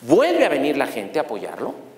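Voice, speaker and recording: A man's voice: mid-range voice, moderate pace. A middle-aged man with a Mexican accent giving a law lecture, telling stories and quizzing his audience with jokes. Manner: animated, jokey, asks the audience questions. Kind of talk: lecture with storytelling. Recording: echoey lecture hall.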